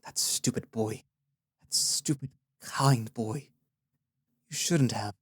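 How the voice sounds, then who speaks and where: A man's voice: medium pitch, slow pace, slightly rough, no echo, studio quality. A man voicing a fierce white-furred creature who speaks with urgent, furious intensity, near his own voice. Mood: exasperated.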